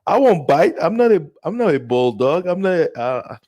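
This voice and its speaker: A man hosting his own live show, rambling in casual talk, laughing often and jumping up loud and high when excited. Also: moderate pace, highs cut off. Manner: rambling, laughs often, many fillers and restarts. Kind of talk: casual live-stream rant.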